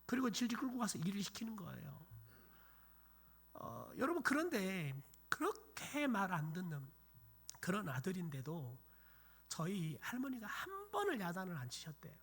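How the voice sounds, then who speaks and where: A man's voice: high-pitched, wildly swooping pitch, moderate pace, a bit bright, breathy edge. A middle-aged man preaching a sermon in a church, telling folksy family stories and dropping into whispers for emphasis. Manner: folksy storytelling, acting out scolding relatives, dropping to whispers. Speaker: pastor. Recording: church sanctuary.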